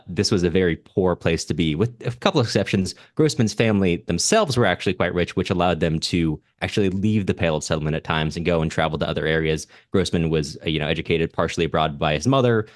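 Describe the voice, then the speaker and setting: Very deep-voiced man explaining, dry close sound. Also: no room sound. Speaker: podcast host. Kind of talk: explanatory literary discussion, unscripted.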